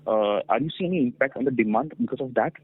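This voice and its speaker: A man's voice: mid-range voice, expressive, fast talker, husky. A man asking questions on a conference call over a phone line, polite and hesitant, with many fillers.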